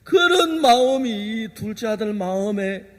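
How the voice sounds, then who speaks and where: A male pastor preaching an emotional sermon, his voice dropping to a hush and then rising loud again as he tells the story. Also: high voice, lively intonation, a little slow. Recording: long hall reverb.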